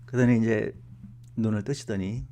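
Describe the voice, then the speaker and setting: A man's voice: lowish voice, fairly even intonation, normal speed, mellow, slight background noise. A male pastor preaching, telling a personal story and acting out the dialogue.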